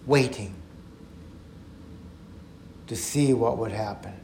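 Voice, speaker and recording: A man teaching through a Bible passage on a podcast, telling it in an earnest, reflective way and slowing down for emphasis. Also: on the low side, creaky, darkish tone, slight background noise. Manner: earnest, reflective storytelling with slow emphatic quotes. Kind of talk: podcast Bible study talk. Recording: echoey room.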